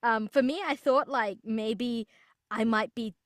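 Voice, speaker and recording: A woman's voice: on the high side, takes it slowly, no echo, studio quality. A young woman from New Zealand, a voice actor, chatting cheerfully in an interview with frequent restarts. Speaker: voice actor guest. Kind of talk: casual interview chat.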